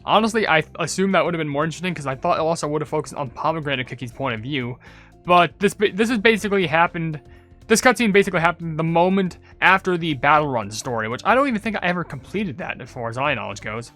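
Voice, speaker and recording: A man's voice: fairly high pitch, expressive, fast talker, sharp tone, soft background music. A young man giving casual, rambling gaming commentary, thinking aloud as he goes. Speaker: gaming video creator.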